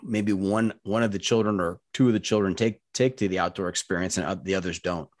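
An American man hosting a podcast, asking calm, measured interview questions and often repeating words as he thinks. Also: deep voice, dry recording, clean studio sound. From United States. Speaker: podcast host.

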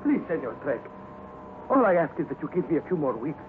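An actor playing a poor, worried farmer who pleads anxiously and politely, in 1950s radio drama style. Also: male voice, fairly high pitch, big pitch swings, fairly quick. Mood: pleading. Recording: narrow, hissy 1950s radio broadcast.

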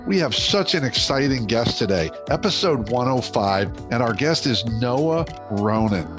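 A man's voice: medium pitch, expressive, a little slow, music in the background. Man hosting a podcast. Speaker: podcast host.

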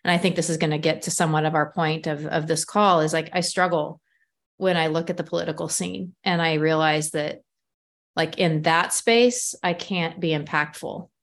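A woman's voice: low voice, steady tone, normal speed. A woman hosting a podcast, chatting frankly, swearing at times and laughing easily. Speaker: podcast host. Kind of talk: casual podcast chat.

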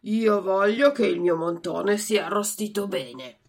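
A woman doing a gruff, loud puppet master. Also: medium pitch, expressive, a little slow, crowd noise. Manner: loud, barking commands. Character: gruff bearded male puppet master, stern but soft-hearted.

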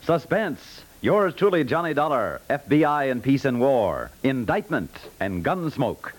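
A man with an American accent announces in the polished, punchy promotional style of 1950s network radio. His medium-pitched voice is sing-song and unhurried, and the recording is a vintage 1950s radio broadcast.

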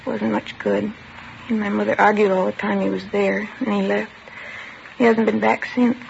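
An actress playing a troubled, bitter teenage girl in a flat, withdrawn way, in the style of 1950s radio drama. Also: medium pitch, moderate pace, vocal fry, a little hiss or hum. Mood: subdued. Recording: lo-fi vintage radio broadcast.

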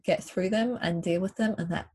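A woman from Germany, a guest on a video call, talking in a thoughtful, hesitant way with many pauses. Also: medium pitch, darkish tone, breathy edge. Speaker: interview guest. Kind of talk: casual chat. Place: home on a small island.

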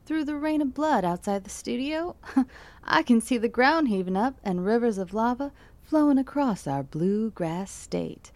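An actress playing a calm, wry late-night radio DJ who keeps a steady on-air delivery. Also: female voice, fairly high pitch, a little slow, no echo. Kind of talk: radio drama acting.

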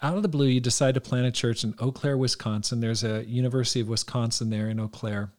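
A man's voice: medium pitch, steady tone, fast. A man hosting an interview, asking friendly, curious questions and laughing along with his guests. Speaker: podcast host, interviewer.

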